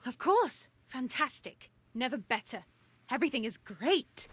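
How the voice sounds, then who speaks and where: A young woman voicing a defensive, bitter young woman in a video game, with a sharp, guarded delivery. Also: sits high, animated, unhurried, breathy edge, full character voice. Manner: sharp, guarded, flares into shouting. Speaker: game character.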